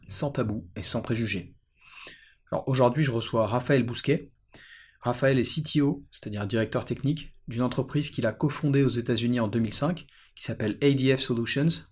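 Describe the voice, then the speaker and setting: A man's voice: medium pitch, husky. French male podcast host. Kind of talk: podcast introduction and interview.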